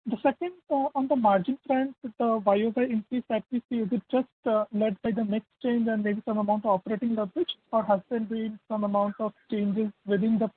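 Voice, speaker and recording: Polite analyst on a phone line. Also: female voice, on the high side, fairly even intonation, a little fast, few pauses, slightly rough, no echo. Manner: polite, many "you know" fillers. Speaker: analyst asking questions. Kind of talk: earnings call question.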